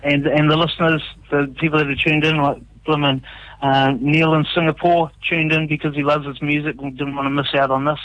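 A man with a New Zealand accent, a musician guest telling stories in a relaxed, animated way in a casual radio interview. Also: a little high, brisk, no echo, highs cut off. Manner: animated storyteller, relaxed and chatty.

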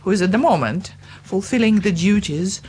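A woman's voice: medium pitch, expressive, normal speed, darkish tone, a little hiss or hum. A woman hosting a casual chat, talking in a playful, easygoing way. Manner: chatty, playful, laughs easily. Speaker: radio host.

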